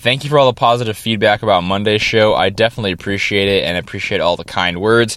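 A man with a fairly low pitch talks loudly in an energetic, bright and sharp tone, on a very clean recording with a silent background. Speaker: fitness podcast host and strength coach. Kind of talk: solo podcast monologue. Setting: recording in a parked car.

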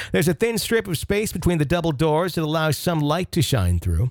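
The voice is somewhat breathy and swings very widely in pitch. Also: man. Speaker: podcast host and narrator. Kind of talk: ghost story telling, scripted narration with eerie first-person tale. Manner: hushed, suspenseful, measured pacing that builds dread; formal, polished, steady.

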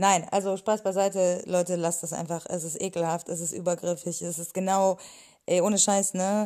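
Speaking at a moderate pace and medium pitch, a woman has a dark, mellow tone and a flat monotone, with big swings in loudness. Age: 30s. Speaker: podcaster, hospitality worker. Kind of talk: casual solo monologue. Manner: casual with fillers.

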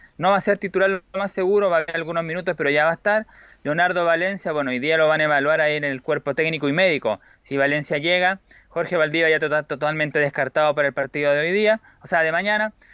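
This man has a fairly high pitch and a bright, sharp tone. The sound is dry and close with no echo, and he talks at a very fast pace. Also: ordinary pitch variation. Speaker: sports reporter. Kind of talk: sports radio report.

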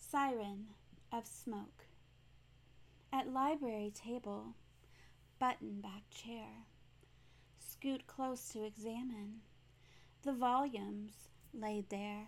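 A gentle, soothing tone at a very slow pace, with long, frequent pauses. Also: woman. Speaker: poet and author. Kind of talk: whispered bedtime poetry reading. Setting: in bed at home. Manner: soft-spoken, rambling, halting with many fillers.

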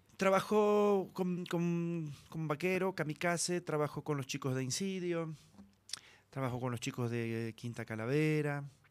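In a very clean recording with a silent background, a man with a fairly high pitch and a plain, everyday voice speaks at a fairly slow pace. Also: ordinary pitch variation. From Argentina, Santa Fe province. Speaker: music manager and former bassist. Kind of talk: casual interview chat.

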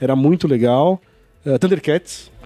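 Music plays in the background as a man talks. His pitch is fairly high and his intonation lively. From Greater São Paulo, ABC region. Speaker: chef. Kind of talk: casual chat. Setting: live stream studio in a shop.

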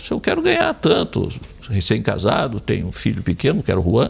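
A man with an unremarkable speaking voice talks at a fairly quick pace in a fairly low pitch. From southern Santa Catarina, Brazil. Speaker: veteran radio broadcaster. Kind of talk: interview, storytelling.

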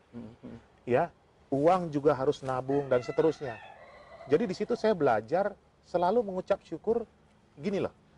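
Pausing long and often, a man with a fairly high-pitched, dark, mellow voice speaks at a moderate pace while his pitch swings very widely. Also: dry, close sound with no echo. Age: 40s. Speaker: university professor. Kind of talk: casual interview conversation. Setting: at his home, sitting on outdoor stairs.

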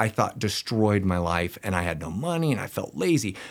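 At a fairly quick pace, a man with an American accent speaks with very wide pitch swings on a very clean recording with a silent background. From Spokane, Washington. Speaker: author, motivational speaker and model. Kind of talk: casual interview chat.

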